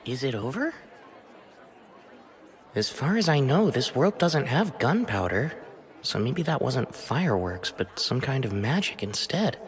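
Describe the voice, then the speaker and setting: A man voicing a calm, confident young adventurer in an anime dub, musing and coolly self-assured. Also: mid-range voice, a little slow, a faint crowd. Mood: puzzled musing. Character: calm, confident young male adventurer hero, ice mage. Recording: clear background noise.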